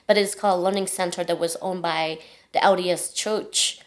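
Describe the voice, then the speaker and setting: A woman's voice: fairly low pitch, steady tone, normal speed. A woman from Cambodia with a Southeast Asian accent, telling her story casually as a podcast guest in non-native English with simplified grammar. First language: Vietnamese or Khmer.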